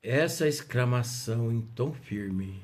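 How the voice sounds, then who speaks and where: Animated man reading and explaining. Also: medium pitch, takes it slowly. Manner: animated, playfully acts out the characters' exchanges. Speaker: study group leader. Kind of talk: reading aloud and explaining a spiritist book.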